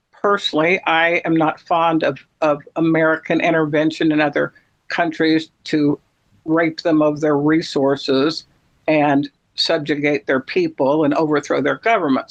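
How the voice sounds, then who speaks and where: A man's voice: a little high, fairly bright tone. A man from Texas, chatting in an opinionated, rambling, emphatic way. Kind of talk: casual chat. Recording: muffled lo-fi sound.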